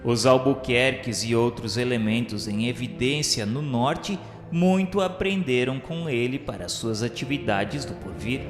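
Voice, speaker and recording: A man's voice: medium pitch, a little slow, few pauses. Echoey Brazilian man narrating solemnly. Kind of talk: solemn scripted radio drama narration. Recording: echoey reverberant hall sound, music underneath.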